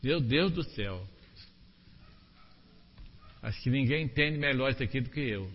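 A man preaching a sermon, animated, asking the congregation rhetorical questions. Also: mid-range voice, normal speed, in a large hall, highs cut off.

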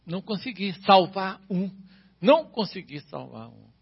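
A man's voice: high-pitched, sing-song, measured pace, vocal fry, husky, muffled recording. A man preaching a sermon as pastor, asking his listeners the same questions again and again. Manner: preaching with repeated rhetorical questions.

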